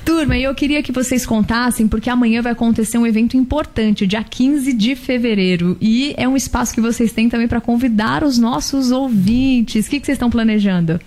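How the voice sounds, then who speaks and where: A woman's voice: on the high side, fairly quick, few pauses, darkish tone. A woman with a Brazilian accent hosting a radio show and interviewing guests in a conversational style.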